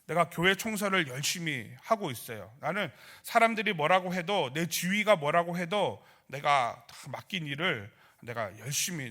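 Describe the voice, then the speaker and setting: Slightly high, bright and pushed, this pastor's voice drives a midweek prayer service sermon. He puts questions to the congregation and mimics church members' complaints and prayers as if quoting them.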